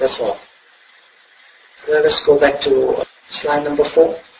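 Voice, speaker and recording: Noticeable background noise can be heard. Over it, a man talks. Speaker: Buddhist teacher. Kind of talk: lecture. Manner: long pauses.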